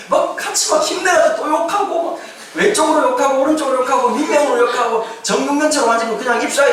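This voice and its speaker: Pastor, male, very high lively voice, joking slangy delivery, booming church hall, mic at a distance. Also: slight background noise. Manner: playful, slangy, acts out voices and laughs often. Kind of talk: lively youth sermon. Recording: echoey church hall from far off.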